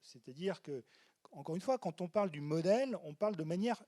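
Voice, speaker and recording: A man's voice: high voice, animated, fairly quick, mellow. A man speaking on a conference panel, analytical, who repeats himself while he searches for words. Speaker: panelist, industry director. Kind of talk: panel discussion. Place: conference hall.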